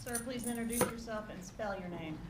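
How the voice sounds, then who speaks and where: A woman's voice: fairly high pitch, a little fast. A woman speaking as a prosecutor in a courtroom, examining a witness with short, pointed questions. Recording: noisy courtroom recording.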